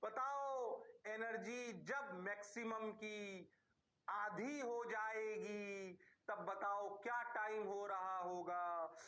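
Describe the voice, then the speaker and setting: A man's voice: steady tone, extremely slow, bright, forceful tone. A male physics teacher, giving a playful online lecture in a singsong voice and answering his own questions. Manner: singsong, answers himself in a low student voice; playful, rhyming catchphrases.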